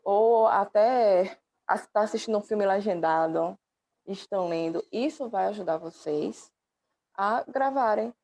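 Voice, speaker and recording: A woman teacher leads an online lesson, her mid-pitched voice carrying a gravelly edge. She explains patiently, checks in with her pupils and calls them dear. It sounds like a laptop microphone. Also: measured pace, darkish tone. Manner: affectionate, calls students "dear". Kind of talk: online class lecture.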